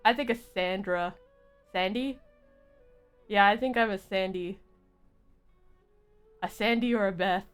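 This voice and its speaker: A woman's voice: mid-range voice, a little slow, pauses often, clear, resonant tone, soft background music. A young woman livestreaming a game, chatting casually with viewers in a playful, silly, exaggerated way. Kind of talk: casual chat with stream viewers.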